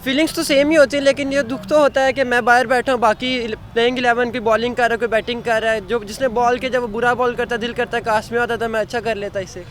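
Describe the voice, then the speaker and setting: A man's voice: very high voice, fairly even intonation, hardly any pauses, fairly bright tone, slight background noise. A teenage boy with a Pakistani accent giving casual interview answers as a young sports player. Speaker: youth cricket player being interviewed.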